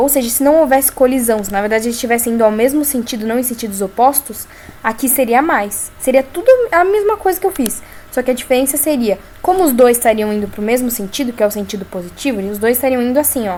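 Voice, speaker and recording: Through noticeable background noise, a woman with a high pitch talks very fast, her pitch varying in an ordinary way. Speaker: physics teacher. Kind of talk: online lesson. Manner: animated.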